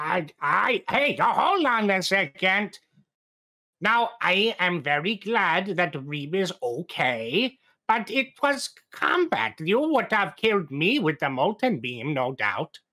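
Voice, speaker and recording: In a put-on character voice at a middle pitch, the speaker goes at a very slow pace. The pitch swings very widely. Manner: stiff, literal, defensive.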